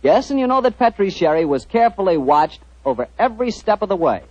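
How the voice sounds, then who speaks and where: A man working as a radio announcer and host, with a smooth, persuasive pitchman manner, in 1940s style. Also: sing-song, fast, a little mellow, dry recording. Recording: muffled old radio broadcast.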